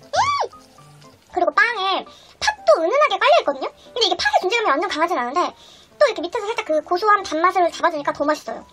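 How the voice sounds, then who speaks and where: Filming a mukbang with the camera on the table, this very high-pitched young woman chats fast and excitedly while eating, humming over each taste between bites. The setting moves from a small indoor room to a busy restaurant, and background music and diners' chatter can be heard.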